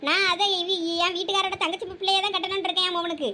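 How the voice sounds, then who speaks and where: A woman plays a sharp-tongued middle-aged elder sister in a cartoon family feud, with a Thoothukudi Tamil accent. Her very high, bright voice rattles off scolding quickly. She gives no ground. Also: little pitch movement, a little hiss or hum. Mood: defiant. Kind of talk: cartoon family drama voice acting.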